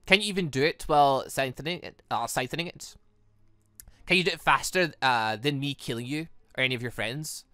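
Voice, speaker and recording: A man's voice: mid-range voice, brisk, pushed and bright, dry recording, studio quality, close to an everyday voice. A man voicing a menacing, calculating female villain from a visual novel, with a taunting, controlled delivery. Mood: taunting, controlling. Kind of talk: reading game dialogue aloud.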